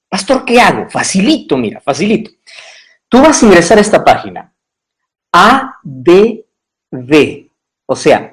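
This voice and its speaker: A man preaching as a pastor on a livestream, talking straight to viewers, checking often that they follow and spelling out numbers slowly. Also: a little high, rough recording. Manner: animated, addresses viewer directly with frequent checks.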